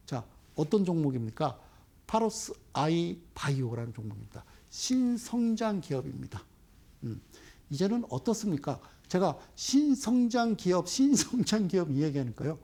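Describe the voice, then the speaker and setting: A man's voice: a little high, gravelly, dark tone. A man giving investment broadcast commentary, scolding viewers with rhetorical questions. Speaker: stock market commentator.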